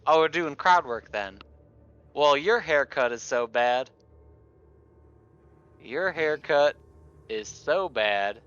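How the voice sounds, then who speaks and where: A man's voice: on the high side, expressive, takes it slowly, pauses often, fairly bright tone, clear, resonant tone, highs cut off. A man playing a tabletop game, speaking in casual, joking banter.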